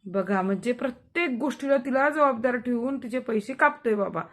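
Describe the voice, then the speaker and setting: A woman's voice: on the high side, moderate pace. A woman teacher who reads a play aloud and explains it to her students. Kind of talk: lesson reading and explaining a play.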